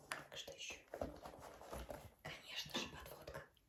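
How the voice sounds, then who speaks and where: A woman whispers at a moderate pace. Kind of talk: ASMR what's in my bag show-and-tell. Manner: whispered.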